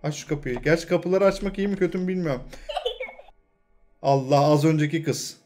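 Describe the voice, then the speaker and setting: A young gaming channel host plays a horror game and comments on it, talking to himself and to the game. He mutters low, then breaks into frightened yells, his throat strained from shouting. He talks briskly, with faint music behind him.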